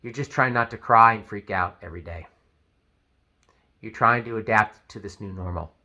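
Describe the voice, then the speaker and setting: A man talking to camera in an advice video, animated and acting out what people say. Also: fairly low pitch, normal speed. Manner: animated, acts out quoted speech. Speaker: vlogger.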